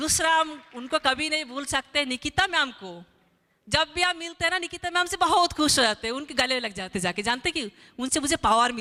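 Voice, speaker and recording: A woman with a non-native accent uses a raised, projected voice at a high pitch, her tone animated and her pitch swinging very widely, with dry, close sound and no echo. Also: moderate pace. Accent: non-native Hindi. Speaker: network marketing distributor and trainer. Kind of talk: testimony speech.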